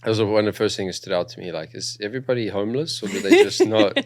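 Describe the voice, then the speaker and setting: A lowish-voiced young South African talks very fast as a guest on a casual podcast, sharing his story with lots of fillers. His accent is South African with a New Zealand influence, and the storytelling feels relaxed.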